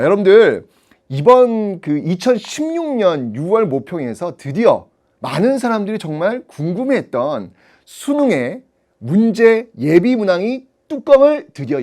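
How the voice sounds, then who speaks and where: A man's voice: a little high, warm tone. A man teaching history in an audio-only exam prep lecture, talking to students with rhetorical questions and frequent laughs.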